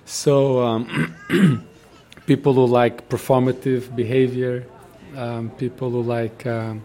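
A man from Portugal, a graffiti artist speaking haltingly in a street interview, with many pauses and ums. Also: medium pitch, little pitch movement, dark tone. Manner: hesitant, halting, full of ums.

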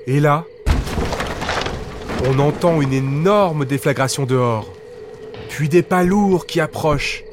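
A man telling a bedtime story in a lively, expressive reading voice. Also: a little high, slow, long pauses, noisy background.

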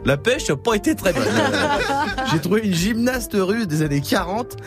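A man's voice: sits high, sing-song, unhurried, over music. A man, a radio comedian doing a jokey news column, often laughing at his own gags. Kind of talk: comic news segment on radio.

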